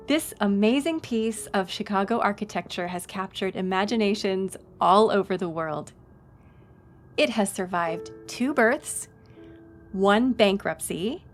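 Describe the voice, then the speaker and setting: A woman's voice: mid-range voice, close to an everyday voice. A woman playing a friendly, chatty young docent at a historic house in an audio roleplay, casual and upbeat as she talks to the listener. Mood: upbeat, presenting. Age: young adult. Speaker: museum tour guide. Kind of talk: audio roleplay, one-sided conversation with listener.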